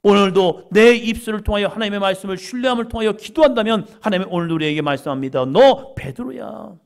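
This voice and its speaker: A middle-aged man preaching a sermon as pastor, acting out dialogue with sudden loud, emphatic rises. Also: sits high, racing, clear, resonant tone.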